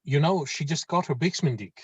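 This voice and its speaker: A man's voice: a little high, lively intonation, brisk, husky, dry recording. A man playing a patient young villager who explains local customs, in a table read over a muffled online call. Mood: explanatory. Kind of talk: virtual table read of a screenplay. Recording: muffled lo-fi video call audio.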